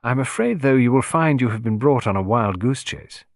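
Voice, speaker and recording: A man voicing a guarded, clever young woman who speaks in a flat, subdued tone. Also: mid-range voice, moderate pace, vocal fry, no room sound, studio quality.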